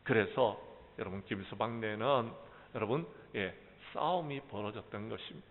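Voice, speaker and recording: A man's voice: lowish voice, moderate pace. A pastor preaching a sermon with earnest storytelling and often addressing his listeners. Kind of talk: sermon with folk-tale storytelling. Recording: echoey hall, phone-like sound.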